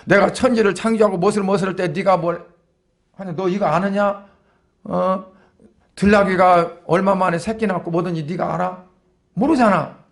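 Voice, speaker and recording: A man's voice: sits high, steady tone, moderate pace, vocal fry. A preacher voicing God rebuking a man with pointed questions. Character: stern rebuking male God.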